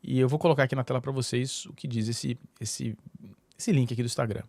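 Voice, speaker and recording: A man's voice: mid-range voice, fairly even intonation, a little fast, creaky, a little mellow, no room sound. A middle-aged Brazilian man hosting his own channel, talking casually to the camera and often restarting his sentences with fillers. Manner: rambling, many fillers and restarts. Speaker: YouTube channel host. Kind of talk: casual solo talk to camera.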